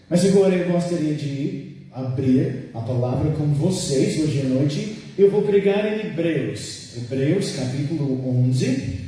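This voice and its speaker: A man with an American accent, a native English speaker, preaching a sermon and reading scripture in slow, careful, halting speech, recorded from far off in a church sanctuary. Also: on the high side, mellow, slight background noise. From United States. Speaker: guest preacher. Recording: echoey church hall from far off.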